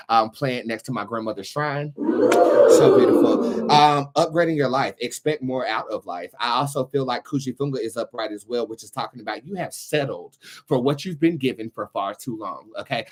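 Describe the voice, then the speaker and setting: A man hosting a casual tarot reading, chatting to viewers in a brash, sassy, freely swearing way. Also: medium pitch. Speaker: tarot reader, show host.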